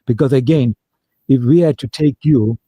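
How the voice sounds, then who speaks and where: A man co-hosting a talk show, putting measured, probing questions to the guest. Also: medium pitch, warm tone, slightly rough, no echo. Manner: measured, inquiring. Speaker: co-host. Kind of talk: interview questions.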